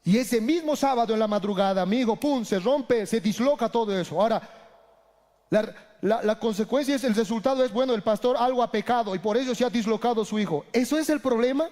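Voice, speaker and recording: A middle-aged male pastor preaching an impassioned sermon, dropping low and quiet for emphasis. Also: fairly quick. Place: church hall. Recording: long hall reverb.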